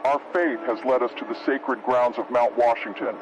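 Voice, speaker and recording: A man's voice: medium pitch, steady tone, moderate pace, lightly acted. A man playing the devout leader of an apocalyptic Christian group, making a solemn, earnest proclamation. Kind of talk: scripted solemn rallying proclamation. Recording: dull lo-fi radio sound, loud music.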